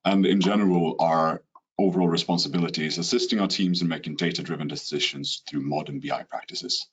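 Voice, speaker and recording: A man from Sweden with a Swedish accent delivers a steady, rehearsed business webinar over a call, now and then slipping in "you know." His voice sits low and he talks fairly quickly; the computer mic gives dull audio with a bit of hiss or hum.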